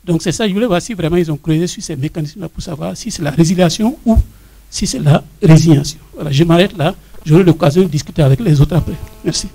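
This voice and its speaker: High-pitched Burkinabè man questioning panelists. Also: fast, creaky, warm tone, breathy edge, dry recording. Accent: Burkinabè French. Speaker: academic in the audience.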